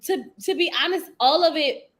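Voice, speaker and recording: A woman co-hosting a casual TV review show, stuffy and congested from a sinus cold, telling stories with animated quotes. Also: high-pitched, normal speed. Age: adult with a daughter. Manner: animated storyteller, acts out quotes.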